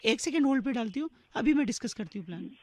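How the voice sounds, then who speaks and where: A man putting on a sweet, high-voiced female telemarketer. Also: expressive, rapid-fire, no room sound, full character voice. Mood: pleading. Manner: pleading, keeps asking to hold. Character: polite young female telemarketer. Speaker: prank caller.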